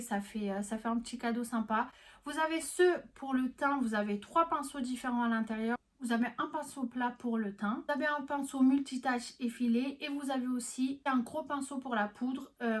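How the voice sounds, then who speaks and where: A young woman vlogging casually, chatty and enthusiastic, with many fillers and restarts. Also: on the high side. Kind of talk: casual gift-guide vlog.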